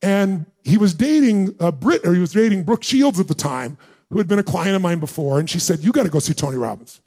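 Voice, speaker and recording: Middle-aged male speaker, high pitch, punchy live-seminar storyteller who acts out dialogue and questions the room. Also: animated, a little fast, warm tone, slightly rough. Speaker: motivational speaker.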